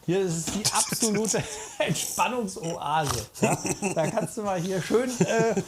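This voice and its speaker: A man's voice: sits high, expressive, unhurried, over a noisy crowd. A man co-hosting a camping travel show, joking as he shows the viewers around a cabin. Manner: jokey, showing things off to the camera. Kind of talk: casual travel show chat.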